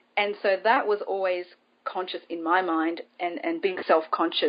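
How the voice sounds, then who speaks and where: A woman speaks with an Australian accent at medium pitch. Her pace is moderate. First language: Chinese. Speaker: public speaking trainer and author. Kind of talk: podcast interview.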